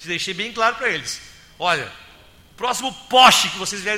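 A man projects a raised, high-pitched voice at a fairly quick pace. His intonation is fairly even, with noticeable background noise behind him. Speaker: city councillor. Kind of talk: council speech.

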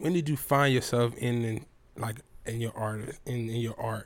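A man has an ordinary speaking voice with a medium pitch and fairly even intonation. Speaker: podcast host.

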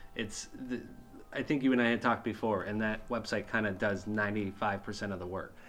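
Music plays in the background as a man speaks. His pitch is fairly low, and his intonation is fairly even. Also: fairly quick pace. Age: 30s. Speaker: film festival organizer and podcast host. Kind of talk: casual interview podcast.

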